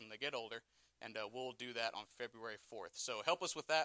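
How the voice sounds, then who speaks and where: A man's voice has a bright, sharp tone and ordinary pitch variation. He speaks at a fairly quick pace, the sound dry and close with no echo. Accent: American. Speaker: church announcer. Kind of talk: announcements. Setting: church.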